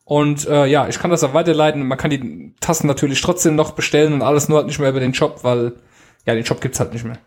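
A man's voice: a little high, fast, a little mellow. A man co-hosting a casual podcast from home, reading listener mail aloud and chatting in a teasing way. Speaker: podcast co-host.

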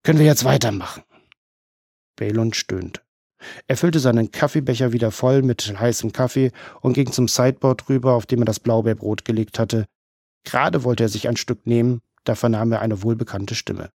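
A man's voice: medium pitch, steady tone, moderate pace, creaky, a little mellow, no echo, studio quality. Man reading a crime novel aloud. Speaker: audiobook narrator. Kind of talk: scripted crime-novel narration.

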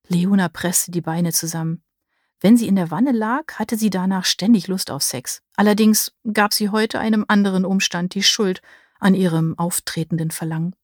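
A woman narrating a romance audiobook in an expressive storytelling manner. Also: on the low side, no echo, studio quality. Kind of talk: scripted narration.

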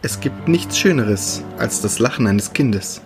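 Man, horror story narrator, hushed, slow and deliberate, pauses for effect, music behind. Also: on the low side, expressive. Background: background music.

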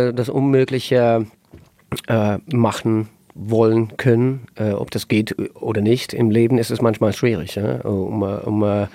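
A man from the Netherlands with a Dutch accent, a guest singer in a casual radio interview, joking and halting with many fillers. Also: medium pitch, darkish tone, dry recording.

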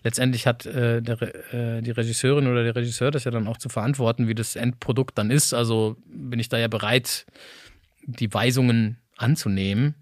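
A man's voice: medium pitch, steady tone, brisk, no echo, studio quality. A voice actor talking through his work in a casual conversation, thinking aloud and often restarting his sentences. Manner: reflective, rambling with many restarts.

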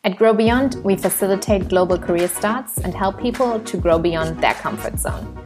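A woman's voice: mid-range voice, animated, moderate pace. A woman hosting a podcast, reading a scripted intro and then introducing her guest with upbeat enthusiasm. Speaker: podcast host. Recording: music bed under the intro.

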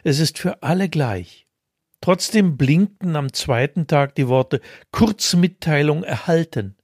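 A man reads his comic story in a dry, self-mocking tone and then slips into casual chat. His voice sits somewhat high for a man. The recording is close and dry, with little room sound. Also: measured pace, a little mellow, no echo. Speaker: podcast co-host. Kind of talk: reading his own humorous column, then casual chat.

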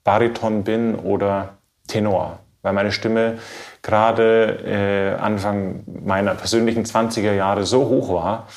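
A man from Bavaria, a trained baritone, giving reflective, measured interview answers and searching for his words. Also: fairly even intonation. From Bavaria, Germany. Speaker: classical baritone singer being interviewed.

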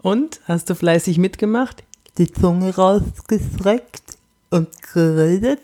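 A woman from Franconia hosting a coaching podcast, animated and emphatic, with whispered asides. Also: on the low side, slow. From Franconia, Germany. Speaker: podcast host and body-language coach.

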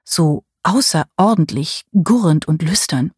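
Eine Frau liest eine verliebte junge Frau, die leise vor sich hin murmelt. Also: female voice, sits low, animated, unhurried, breathy edge, no room sound, clean studio sound, exaggerated voice. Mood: whispered, baffled. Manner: murmured, hushed. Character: young woman in love, dreamy and startled.

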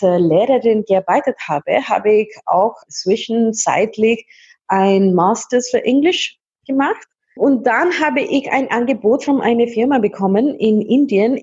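A woman's voice: a little high, darkish tone, husky, lo-fi sound. A woman from India, Hindi native, telling her life story in an interview, often restarting and repeating words. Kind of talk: casual interview talk.

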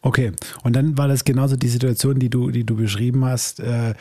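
A man hosting a podcast interview, talking in a friendly, halting way with many fillers. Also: medium pitch, flat delivery, mellow, no room sound, clean studio sound. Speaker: podcast host. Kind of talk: casual interview chat.

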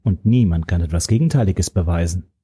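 A man's voice: deep voice, brisk, mellow, breathy edge. A man voicing a smug, mocking young male henchman who talks down to an old man. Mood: taunting. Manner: mocking, chatty, condescending. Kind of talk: audiobook character voice.

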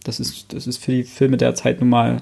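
A man's voice: medium pitch, completely flat delivery, moderate pace, gravelly, dark tone. A man in casual podcast chat, thinking aloud with frequent restarts and enthusiastic recommendations, close on a studio mic.

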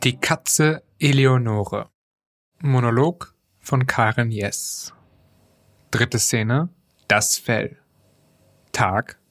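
Slow man reading stage directions. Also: medium pitch, fairly bright tone, soft background music.

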